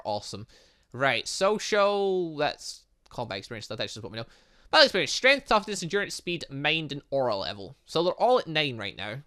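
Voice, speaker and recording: A man's voice: a little high, bright, forceful tone. A British man giving casual, rambling let's play commentary and talking back to the game as he goes. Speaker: gaming channel host.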